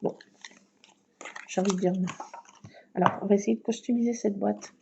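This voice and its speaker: A woman chatting through a casual craft tutorial at home at night, keeping her voice hushed and often slipping into a whisper, with rambling asides. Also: medium pitch, fairly even intonation, moderate pace, creaky. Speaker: craft video maker. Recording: muffled lo-fi with faint noise.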